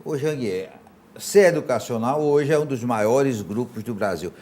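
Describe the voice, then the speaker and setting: A man's voice: mid-range voice, lively intonation, unhurried, darkish tone. A man hosting an informal TV interview, teasing his guest and leading his questions with a jovial tone. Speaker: TV talk show host.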